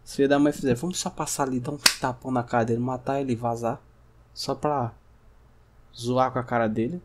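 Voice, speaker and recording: A man from Brazil giving casual gameplay commentary, chatting to himself and his viewers, sometimes breaking into sudden shouts. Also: mid-range voice, fairly even intonation, brisk, a little hiss or hum. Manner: chatty, talks to himself and the audience, bursts into shouts at scares. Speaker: gameplay streamer.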